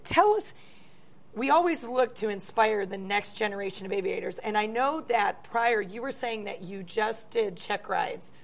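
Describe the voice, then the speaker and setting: A woman's voice: mid-range voice, lively intonation, normal speed, vocal fry. A woman hosting a live studio interview, effusive and admiring toward her guest. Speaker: show host.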